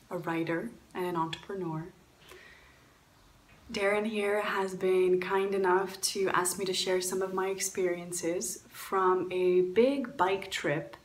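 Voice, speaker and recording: Low-voiced woman in an echoey room. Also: slight background noise. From Poland, raised in Canada. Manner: earnest, frequent fillers and restarts. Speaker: guest traveler sharing advice. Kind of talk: recorded talk answering questions.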